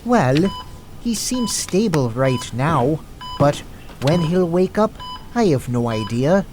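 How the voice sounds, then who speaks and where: A woman's voice: low voice, very animated, takes it slowly, full character voice. A woman playing a sober medical doctor in an amateur audio drama. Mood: concerned.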